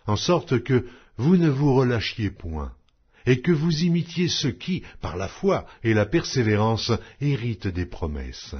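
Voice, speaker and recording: A man reading scripture aloud as an audiobook, in a solemn, measured, declamatory way. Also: mid-range voice, breathy edge, highs cut off. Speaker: audiobook Bible reader.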